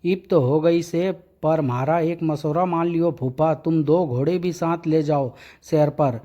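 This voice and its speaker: A cheeky village nephew, voiced by a man, full of rustic jokes. The voice is fairly high with a dark tone. The sound is muffled and lo-fi. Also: a little slow, close to an everyday voice. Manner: cheeky, giggly rustic banter.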